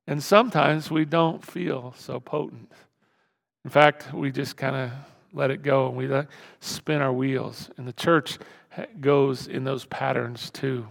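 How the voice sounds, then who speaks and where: A male pastor preaching a sermon to his church, animated and repetitive, swinging from loud emphasis to hushed tones. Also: mid-range voice, measured pace, creaky. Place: church sanctuary. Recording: reverberant church hall.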